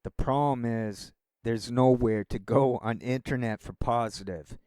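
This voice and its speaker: A man's voice: medium pitch, unhurried, mellow, clean tone, no echo, clean studio sound. A man rambling through a casual solo monologue as a vlogger, wandering from thought to thought. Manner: rambling, meandering talk.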